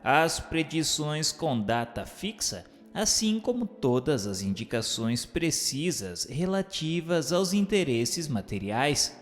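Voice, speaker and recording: Slow, reverberant Brazilian male narrator. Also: medium pitch. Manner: formal, measured. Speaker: narrator and questioner. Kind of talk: scripted narration of a spiritist text. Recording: long hall-like reverb, music bed.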